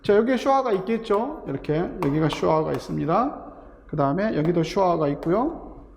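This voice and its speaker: An English linguistics instructor with a high-sitting, expressive voice gives an exam-prep lecture for a teaching exam, moving at a moderate pace. He explains step by step, uses terminology and asks rhetorical questions, his voice showing vocal fry and a darkish tone. The recording has long hall reverb and a little hiss or hum.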